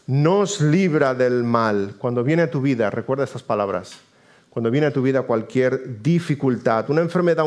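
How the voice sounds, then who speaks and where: A man preaching a sermon, swinging between emphatic raised lines and hushed low endings. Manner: dramatic swings between emphatic rises and quiet low drops.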